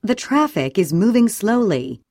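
A woman reading short English sentences slowly and clearly for a listening and repetition drill. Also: mid-range voice, no room sound, studio quality. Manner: clear, even, deliberate reading. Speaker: English audio reader.

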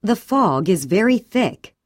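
In this slow drill recording, a woman reads short scripted English sentences one by one, deliberately, clearly and evenly. Her intonation is lively, her voice mid-range, and the sound is dry and close with no room behind it.

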